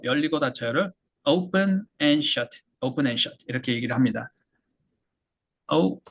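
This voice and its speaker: Male language tutor, gravelly and husky, slow drills, brisk explanations. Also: medium pitch, a bit bright. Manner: drills English words slowly, then explains briskly. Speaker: English pronunciation teacher.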